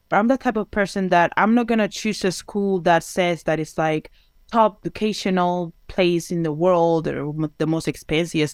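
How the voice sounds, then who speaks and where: At a moderate pace, a woman with a Spanish accent speaks at a fairly low pitch with ordinary pitch variation. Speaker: podcast host and student. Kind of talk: casual interview. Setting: video call.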